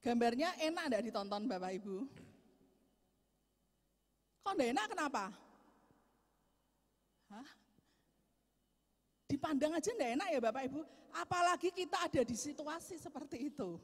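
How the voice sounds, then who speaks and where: A woman preaching a sermon, telling stories loudly and with lots of life to a congregation. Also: sits high, moderate pace, long pauses. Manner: loud, lively storytelling. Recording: echoey hall.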